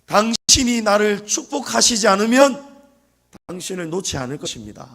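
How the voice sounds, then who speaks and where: The voice of a desperate man , as a preacher acts him out in a church, crying out and begging. It sits high for a man and swings widely from line to line, straining with urgency. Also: big pitch swings, moderate pace, a bit bright, in a large hall, heavily acted. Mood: insistent. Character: desperate pleading man clinging to God. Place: church sanctuary.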